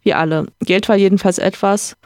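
A podcaster reading a novel aloud, voicing a calm, reflective gentleman who lectures his friend in a slightly raised voice. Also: mid-range voice, brisk, no echo, studio quality, lightly acted. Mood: earnest lecturing.

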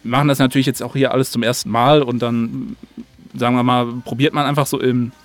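A man from Germany with a mid-pitched voice speaks as a guest in a relaxed interview. His talk is colloquial and rambles loosely from one thought to the next. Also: fast talker. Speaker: audio drama maker, interview guest. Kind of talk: casual chat.

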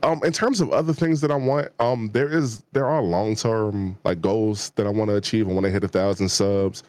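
Man, 40s, D.C. accent, low voice, dry sound, casual rambling guest. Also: moderate pace, no echo. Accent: Washington, D.C. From Washington, D.C. area. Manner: relaxed, rambling with many fillers and restarts. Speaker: YouTube gaming creator, guest. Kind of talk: casual interview talk.

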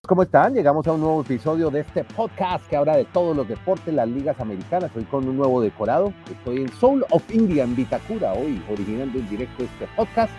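A man's voice: on the high side, animated, fairly quick, hardly any pauses, dark tone. A man hosting a sports podcast in a casual, joking way, calling in from a restaurant terrace next to a busy avenue. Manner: chatty, jokey, self-interrupting. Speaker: podcast host. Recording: dull lo-fi sound, faint music.

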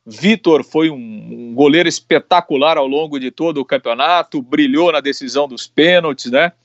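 A man's voice: a little high, normal speed, no room sound. Man talking sport over a dull, dry line. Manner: conversational, frequent "né" fillers. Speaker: sports reporter guest. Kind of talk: casual radio chat.

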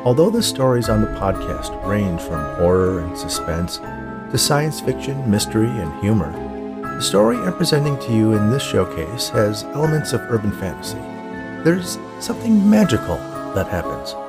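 A man's voice: fairly low pitch, very animated, normal speed, loud music behind the voice. A man hosting his fiction podcast, reading scripted introductions and stories in an audiobook style. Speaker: podcast host, writer and narrator.

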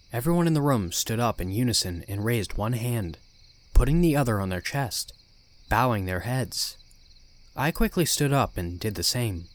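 A man narrating a first-person horror story as the podcast's narrator, in a calm, even telling. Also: lowish voice.

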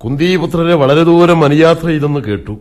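A man's voice: on the high side, lively intonation, normal speed, a little mellow, natural voice. A man playing an anxious, suspicious old king. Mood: troubled. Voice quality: wary, probing, troubled. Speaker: radio drama actor. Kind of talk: 1980s Malayalam radio drama acting.

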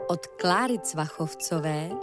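Low-voiced woman reading a children's story. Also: loud music behind the voice. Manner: calm, even storytelling. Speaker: narrator.

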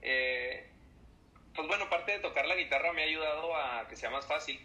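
A young Mexican man in his twenties with a very bright, forward voice. He tells stories in a relaxed interview and acts out the people in them. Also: fairly high pitch, moderate pace, low-quality recording. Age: 20s. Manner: animated storyteller, acts out voices. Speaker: church musician. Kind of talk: casual interview storytelling.

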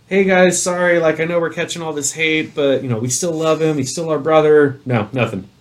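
A man's voice: a little high, fairly quick. Guy in his 30s hosting a casual chat, ranty, repeats himself for emphasis. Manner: animated ranting, emphatic repetition. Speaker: host. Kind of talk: casual chat over drinks.

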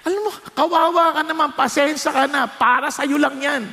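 A man's voice: extremely high pitch, fairly even intonation, moderate pace, creaky, bright, forceful tone, exaggerated voice. A man doing a scornful, aloof cow. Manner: scoffing, condescending. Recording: long church-hall reverb.

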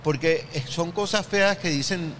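A man's voice: on the high side, measured pace, fairly bright tone, a little hiss or hum. A young man with a Venezuelan accent, a podcast guest speaking candidly with a joking edge. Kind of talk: casual interview chat.

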